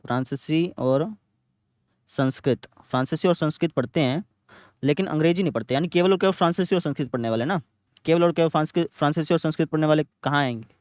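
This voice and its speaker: A man's voice: fairly high pitch, fast, dry recording, clean studio sound. A young man teaching a math lesson, repeating each step and answering his own questions, with a north Indian Hindi accent. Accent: Hindi-speaking north India. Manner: repetitive, explains step by step, asks questions and answers himself.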